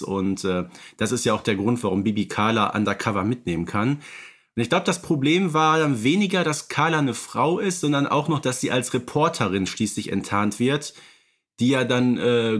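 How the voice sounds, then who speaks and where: A man's voice: medium pitch, fairly bright tone. A man co-hosting a fan podcast, talking casually and rambling with many fillers and restarts. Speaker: podcast co-host.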